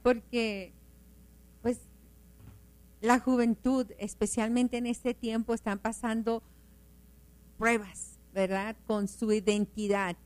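A woman's voice: on the high side, level tone, takes it slowly, long pauses, darkish tone, low-quality recording. A woman hosting a Christian radio interview, friendly and affirming as she asks questions. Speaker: radio host.

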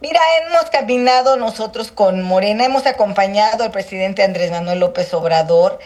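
A woman politician from Guerrero, Mexico, answering interview questions in a measured, halting way with many fillers. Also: mid-range voice, a little mellow. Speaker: politician, senator.

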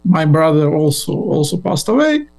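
A middle-aged man with an Eastern European accent, speaking non-native English as an interview guest, haltingly recounting his life and repeating words as he searches for phrasing. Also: fairly high pitch, sing-song, gravelly, a little mellow. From born in Latvia, grew up in Ukraine. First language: not English. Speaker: interview guest, blogger and former journalist.

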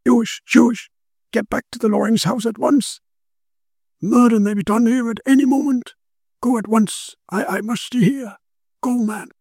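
A man voicing a commanding, grave male occult detective who explains dark matters with authority. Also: extremely high pitch, steady tone, moderate pace, creaky, slightly rough, no echo, clean studio sound, voice pushed up, heavily acted. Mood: urgent.

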